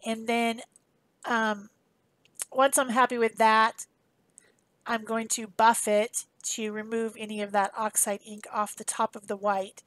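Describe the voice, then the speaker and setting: A woman's voice: on the high side, little pitch movement, unhurried, dry recording. A woman giving a casual, chatty voice-over for a craft demonstration, explaining informally as she goes. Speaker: craft tutorial host.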